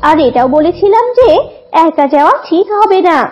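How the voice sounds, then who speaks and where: A woman's voice: very high-pitched, animated, moderate pace, a little mellow, highs cut off, soft background music. A woman voicing a fussy, worried female fox in a cartoon, chatty and pleading. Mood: anxious, reporting. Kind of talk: cartoon voice acting.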